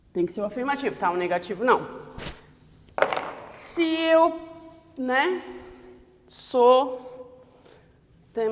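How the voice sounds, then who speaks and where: A woman's voice: fairly high pitch, in a large hall. A woman teacher explaining grammar step by step, often checking in with her students. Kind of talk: online classroom lesson.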